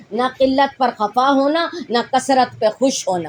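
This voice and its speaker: The woman's voice sits at a high pitch. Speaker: majlis speaker. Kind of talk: religious sermon addressed to the women's gathering.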